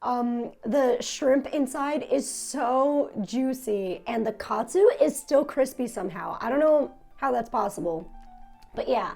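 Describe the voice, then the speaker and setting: A young woman hosting a casual food-tasting vlog, hoarse and nearly losing her voice, talking in a subdued, raspy monotone with small laughs. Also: fairly high pitch, a little slow, faint music behind. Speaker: food vlogger. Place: her home in Japan.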